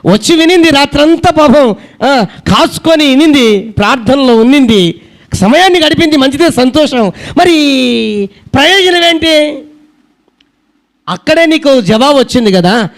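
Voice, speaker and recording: A man's voice: extremely high pitch, lively intonation, a little slow, long pauses. A male pastor preaching a sermon, pressing his listeners with repeated rhetorical questions in an earnest, emphatic manner. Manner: repetitive rhetorical questions to the congregation.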